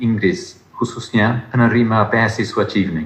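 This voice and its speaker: Somewhat breathy and at a moderate pace, a man speaks with an English accent and fairly even intonation. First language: English (speaking Indonesian). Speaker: ambassador. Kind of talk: formal speech. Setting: webinar. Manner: formal; hesitant with fillers.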